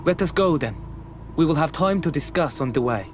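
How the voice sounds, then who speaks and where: Man acting a high-voiced, devout tribal villager. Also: lively intonation, fairly quick, a little hiss or hum, natural voice. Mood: explanatory. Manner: reverent, formal, heartfelt. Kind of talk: scripted video game acting.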